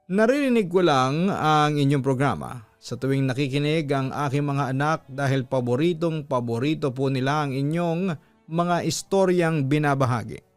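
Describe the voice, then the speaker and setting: A man's voice: on the high side, moderate pace, clear, resonant tone, no echo, soft background music. A man with a Filipino accent hosting a story show, reading out a listener's letter as scripted narration.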